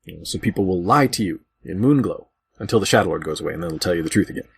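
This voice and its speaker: A man's voice: low-pitched, animated, very fast, gravelly, husky. A man hosting a casual panel discussion, talking in a rambling, think-aloud way. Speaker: podcast host.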